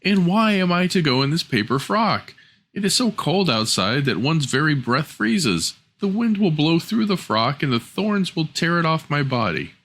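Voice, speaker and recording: A man voicing a gentle, mistreated young girl in a storybook, polite and plaintive. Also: fairly high pitch, sing-song, moderate pace, voice pushed up, full character voice. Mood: plaintive, pleading. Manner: pleading, polite.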